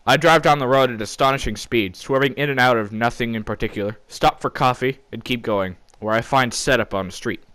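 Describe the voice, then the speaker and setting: A man works as an informal storyteller, narrating comedy in the first person. His pitch sits in the middle for a male voice. The recording is dry, with little room sound. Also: fairly quick, few pauses, fairly bright tone, no echo.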